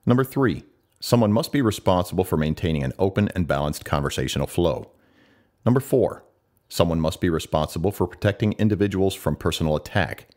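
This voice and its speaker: Very deep-voiced man, polished narrator. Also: animated, a little fast, darkish tone. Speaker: voice-over artist.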